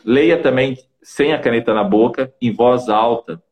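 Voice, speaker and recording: A man's voice: medium pitch, measured pace, darkish tone. Didactic Brazilian man giving tips. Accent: Brazilian Portuguese. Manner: didactic, peppers speech with "tá?" and "né?". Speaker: communication coach guest. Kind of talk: casual advice talk in an online interview.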